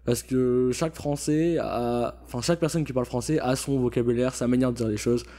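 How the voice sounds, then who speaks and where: This is a young man hosting a casual chat, with a relaxed, chatty way of talking. His voice is mellow and warm. He leans on fillers while he steers the conversation. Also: medium pitch, brisk. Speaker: host.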